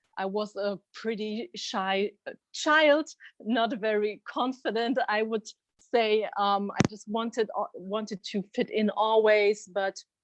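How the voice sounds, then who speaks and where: Speaking at a very slow pace with a German accent, a woman has a fairly high pitch and ordinary pitch variation, recorded in a dry, close sound with no echo. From Germany. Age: 30s. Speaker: interview guest sharing life story. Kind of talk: personal testimony. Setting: livestream video call.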